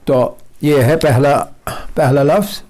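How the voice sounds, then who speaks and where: A man teaching a recitation lesson, patiently explaining and repeating example words slowly, often checking that his listeners follow. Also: fairly high pitch, a little mellow. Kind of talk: tajweed lesson.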